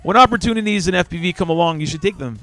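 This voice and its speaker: A man in his forties talks as a podcast host, loose and animated, with swearing and tangents. His voice sits fairly high, and the sound is dry and close. Faint music plays under it. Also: racing, no echo. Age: 40s. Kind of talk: casual chat.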